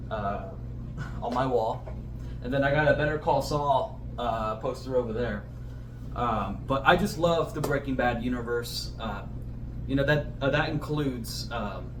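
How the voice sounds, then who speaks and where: A man in his twenties talking casually and informally as a solo podcast host, rambling and a little hesitant. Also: mid-range voice. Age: 20s. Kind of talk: casual solo podcast chat about favourite shows. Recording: distant mic, clearly noisy room ambience.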